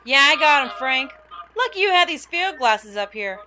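A woman's voice: sits high, sing-song, normal speed, pushed and bright, full character voice. An actress playing a brash, tough-talking young woman aviator in an old-time radio serial. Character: bold young woman aviator leading a squad.

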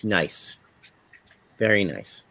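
A man's voice: deep voice, big pitch swings, very slow, vocal fry, bright, forceful tone. A man hosting a casual podcast over a video call, chatting with guests in a wry, lightly joking way. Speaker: podcast host. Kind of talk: casual chat, introducing guests.

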